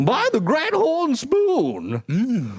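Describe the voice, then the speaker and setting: Someone performs a put-on character voice over light background noise. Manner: gruff, old-timey.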